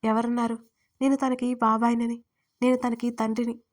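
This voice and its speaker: An anxious, soft-hearted man in his thirties, pleading and then standing firm, as a woman reads his lines in an audio story. The voice sits fairly high, with a narrow, even pitch. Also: normal speed, natural voice. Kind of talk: audiobook character reading.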